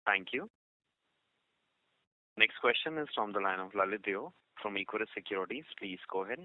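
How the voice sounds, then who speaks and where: A man's voice: lowish voice, animated, normal speed, dry recording. A man formally moderating a conference call as the operator. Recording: dry narrow-band phone line.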